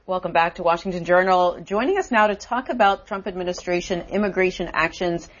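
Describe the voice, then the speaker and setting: A woman's voice: fairly low pitch, brisk. A woman hosting a televised interview, asking questions and follow-ups, sometimes with fillers. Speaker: TV interview host. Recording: dull lo-fi broadcast audio.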